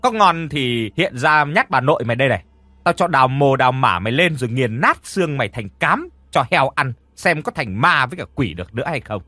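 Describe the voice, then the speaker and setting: A man voicing a harsh, domineering rich old matron who scolds her servants in shrill shouts, in an audiobook reading. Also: expressive, fairly quick, no room sound. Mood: furious scolding. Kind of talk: audiobook narration.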